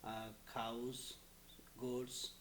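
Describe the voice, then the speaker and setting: A man from Bhutan, recounting his past in an interview in a measured way, listing details between "uh" and "um.". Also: mid-range voice, monotone, fairly bright tone, slight background noise. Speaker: refugee interviewee. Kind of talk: recorded interview testimony.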